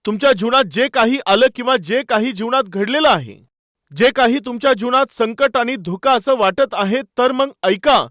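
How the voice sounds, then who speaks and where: A man's voice: very high voice, normal speed, fairly bright tone, no echo, clean studio sound. A man preaching a devotional sermon earnestly and asking his listeners rhetorical questions.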